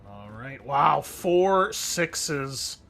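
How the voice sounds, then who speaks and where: A man's voice: on the high side, sing-song, very slow, creaky, a bit bright, faint music behind. A man running an online tabletop roleplaying game, explaining things in a casual way. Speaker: game master.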